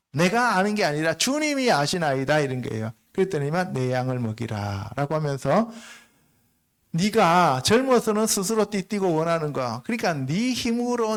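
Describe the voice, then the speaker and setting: A male pastor preaching a sermon in a conversational style, often checking in with the congregation. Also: sits high. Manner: conversational preaching, frequent call-and-response asides. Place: church sanctuary.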